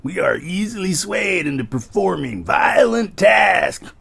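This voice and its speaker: Croaky high-voiced raider thug, dim cheery bro, comedy radio play, slow drawn out. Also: male voice, lively intonation, a bit bright, raised voice, exaggerated voice. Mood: boastful. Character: gravelly hired-goon raider, cheery dim bro with menace. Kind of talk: post-apocalyptic comedy audio drama acting.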